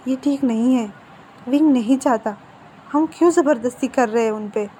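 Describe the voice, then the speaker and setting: A woman voicing a gentle but principled young husband who speaks calmly and firmly, in a narrated story. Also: on the high side, moderate pace, slight background noise, close to an everyday voice.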